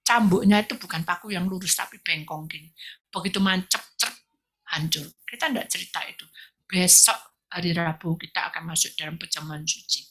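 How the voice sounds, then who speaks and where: A woman pastor preaching a sermon in a storytelling way, swinging from loud bursts to near whispers. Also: lowish voice, normal speed.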